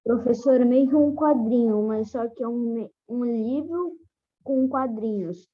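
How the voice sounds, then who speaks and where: A woman's voice: a little high, measured pace, phone-quality sound. A female student hesitantly answering the teacher's question in class, heard from a distance. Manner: hesitant, searching for words.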